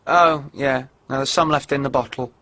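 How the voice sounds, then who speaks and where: A man's voice: mid-range voice, steady tone, normal speed, pushed and bright. A man in a scripted textbook dialogue, talking in a hesitant, chatty way.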